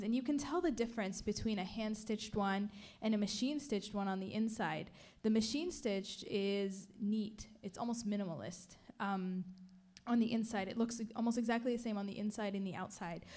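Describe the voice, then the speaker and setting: A woman from Palestine, a native Arabic speaker, giving an earnest, measured talk on a community panel with frequent fillers. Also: mid-range voice, darkish tone.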